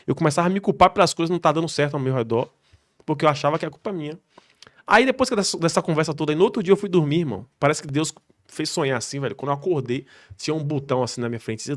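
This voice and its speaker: A man, a podcast guest who works as a police soldier, telling an emotional personal story in an emphatic way, swearing freely and acting out the people he quotes. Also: a little high.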